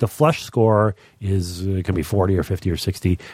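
In a very clean recording with a silent background, a voice with a Montreal accent carries a dark, mellow tone. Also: man. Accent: Canadian English (Montreal). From Montreal, Quebec. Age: 40s. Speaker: sportswriter. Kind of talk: casual chat.

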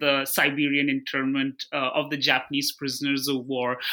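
This man's tone is bright and sharp. His pace is moderate. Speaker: PhD student and podcast co-host. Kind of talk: interview.

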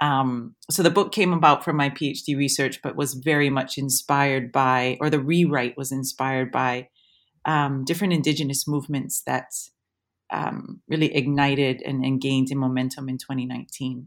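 A woman with a Hawaiian accent, very deep and low in pitch, at a moderate pace with fairly even intonation, on a very clean recording with a silent background. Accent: Hawaiian American English. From Hawaii (Waimea, Big Island). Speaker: lecturer and author. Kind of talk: interview. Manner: hesitant with frequent ums.

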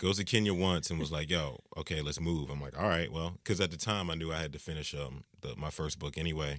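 A man with an American accent speaks at a fairly quick pace with vocal fry. His pitch is very deep and low, with ordinary variation. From Washington DC area. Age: 40s. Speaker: music journalist and author. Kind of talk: casual interview conversation. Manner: relaxed, casual.

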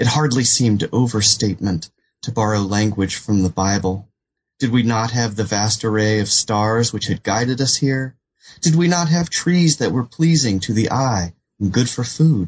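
A man with an American accent speaks at a moderate pace in a medium-pitched, somewhat breathy voice with lively intonation. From North Carolina and Washington D.C. area. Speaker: poet and creative writing teacher. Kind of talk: interview about his poetry, with a poem reading.

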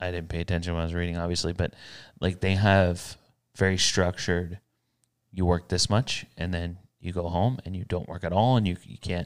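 A man talks at a fairly quick pace in a very deep, low voice with fairly even intonation. The recording is very clean, with a silent background. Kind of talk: casual chat. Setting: studio. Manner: loud.

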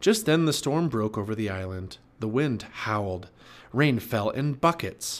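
Lively intonation in a natural reading voice

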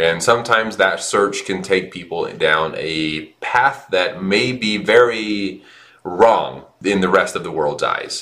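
A man with an American accent, fairly low in pitch, with a bright, sharp tone, lively intonation and a very slow pace. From US, FLDS polygamous community (Utah/Arizona border). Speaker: podcast co-host. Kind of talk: casual chat.

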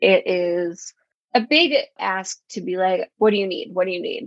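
A woman has a plain, everyday voice with an American accent. Her pitch is medium and varies in an ordinary way. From Buffalo area, New York. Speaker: entrepreneur, digital marketing business owner. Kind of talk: casual interview conversation.

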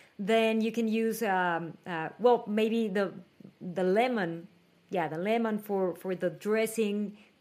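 Speaking very slowly with a Spanish accent, a woman keeps a medium pitch and fairly even intonation in a very clean recording with a silent background. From Mexico City. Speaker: health coach and author. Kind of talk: interview.

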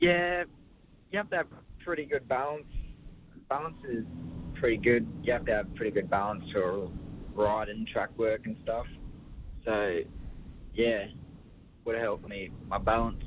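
With an Australian accent, a man speaks at medium pitch and a moderate pace. His intonation is lively, broken by long, frequent pauses. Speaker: apprentice jockey. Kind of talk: interview. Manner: halting.

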